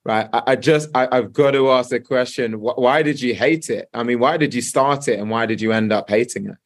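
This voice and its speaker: A man's voice: mid-range voice, a little fast. A man hosting a podcast, opening the show and questioning his guest in a polished, upbeat delivery. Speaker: podcast host.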